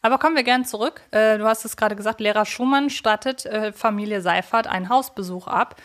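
A woman's voice: medium pitch, a little fast. A woman co-hosting a podcast, talking in a conversational, thoughtful way and often searching for her words. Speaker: podcast co-host.

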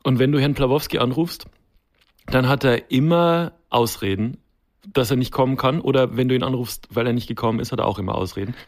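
A man co-hosting a podcast, relaxed and joking as he tells an anecdote in casual chat. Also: mid-range voice, a little fast.

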